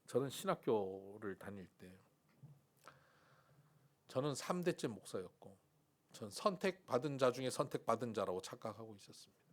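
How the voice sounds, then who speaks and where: A male pastor preaching a sermon, swinging between loud rhetorical questions and hushed whispers, and telling stories about himself with candid self-mockery. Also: mid-range voice, big pitch swings, moderate pace, pauses often. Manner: candid, self-mocking storytelling.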